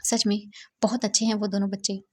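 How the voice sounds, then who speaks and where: A woman voicing a loving middle-aged mother who speaks in a reassuring way, with a husky voice. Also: mid-range voice, little pitch movement, fast, lightly acted. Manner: warm, reassuring.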